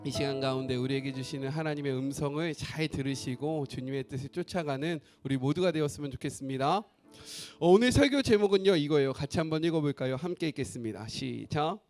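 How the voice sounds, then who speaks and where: A man's voice: fairly high pitch, quick pace, darkish tone, faint music behind. A male pastor preaching a sermon, who keeps the congregation involved by asking them frequent questions.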